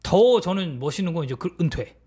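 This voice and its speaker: Lively, high-pitched man telling football stories. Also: husky. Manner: animated storytelling, drawn-out fillers. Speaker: football talk show panelist. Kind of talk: casual football chat. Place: studio.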